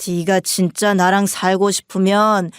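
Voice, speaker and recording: A woman voicing a drunk, arrogant husband who shouts and orders his wife around in a narrated story. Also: medium pitch, level tone, unhurried, smooth, voice pushed down, lightly acted. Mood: drunk belligerent.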